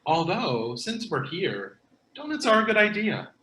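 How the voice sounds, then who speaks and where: A man playing an exasperated, mock-serious young video store worker in an animated comedy table read, in a roomy recording. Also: high-pitched, unhurried, exaggerated voice. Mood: urgent.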